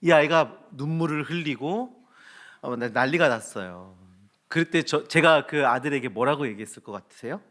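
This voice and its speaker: A man's voice: fairly high pitch, moderate pace, fairly bright tone. A man, a pastor, preaching a sermon, telling a family story and asking the congregation rhetorical questions. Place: church.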